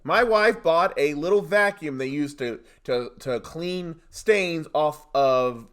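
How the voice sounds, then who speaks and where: A man's voice: a little high, slow, fairly bright tone, clear, resonant tone. A man co-hosting a comedy advice podcast, ranting emphatically in short, mock-indignant declarations. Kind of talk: comic advice banter, storytelling rants.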